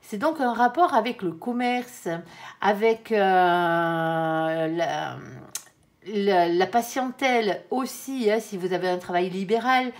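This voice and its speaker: A woman's voice: medium pitch, slow pace. A tired woman giving a casual tarot reading, chatty with many fillers and some stumbling. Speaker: tarot reader.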